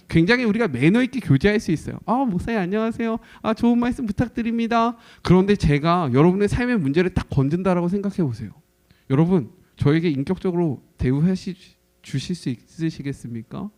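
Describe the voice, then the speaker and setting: A man in his thirties, a pastor, preaching an emphatic sermon to church teachers and dropping to a hushed whisper to stress his points. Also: high-pitched, expressive, a little fast.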